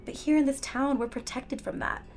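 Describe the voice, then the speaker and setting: A woman playing a calm, principled townswoman who speaks in a measured, articulate way in an audio drama. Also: high-pitched, soft background music, lightly acted. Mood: earnest, persuasive. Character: calm, principled female cryptid townsperson, gently persuasive. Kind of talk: naturalistic audio drama dialogue.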